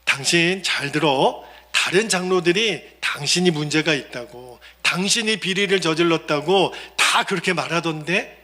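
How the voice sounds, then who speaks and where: A male pastor voicing a scheming male interrogator who speaks slowly and mockingly within his sermon. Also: fairly high pitch, bright, forceful tone. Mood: taunting.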